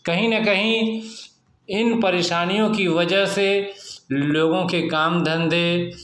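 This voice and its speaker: A man giving unscripted news commentary, speaking slowly and measuredly with frequent hesitant fillers. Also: high-pitched, steady tone, fairly bright tone, echoey room.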